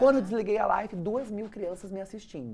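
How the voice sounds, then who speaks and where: Here is a man with a high pitch. His voice makes very wide pitch swings. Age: 20s. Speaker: children's entertainer; guest. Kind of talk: casual chat. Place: studio. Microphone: handheld.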